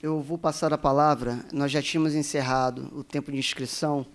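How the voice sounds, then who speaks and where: A man's voice: a little high, fairly even intonation, a little fast. A man with a Brazilian accent chairing a public hearing in a courteous, procedural manner. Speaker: committee chair.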